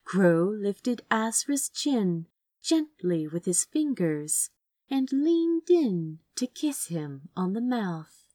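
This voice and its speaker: Slow, expressive woman narrator. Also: mid-range voice, no echo, clean studio sound. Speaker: audiobook narrator. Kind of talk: expressive scripted fiction narration.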